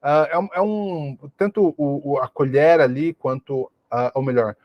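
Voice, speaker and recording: A man from Brazil giving a video English lesson, repeating each word slowly and checking in with "ok?". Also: on the high side, no room sound, highs cut off. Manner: repeats words slowly for practice, frequent "ok?". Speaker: English teacher.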